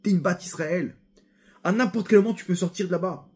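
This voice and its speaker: Animated high-voiced man preaching. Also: fairly quick, breathy edge. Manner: animated, storytelling, addresses listeners directly. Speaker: rabbi teacher. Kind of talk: sermon-style Torah class.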